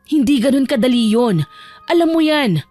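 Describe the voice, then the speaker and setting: A woman plays a cautious, protective older sister in an audio drama. She speaks in a measured way, soothing yet admonishing. The sound is dry, with music behind. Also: sits high, animated, dark tone, no echo, pitched above the performer's own voice. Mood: reasoning.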